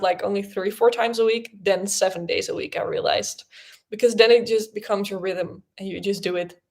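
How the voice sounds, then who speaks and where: A woman's voice: medium pitch, darkish tone. A young woman whose first language is Dutch, chatting casually and rambling with many fillers as host of a livestream podcast.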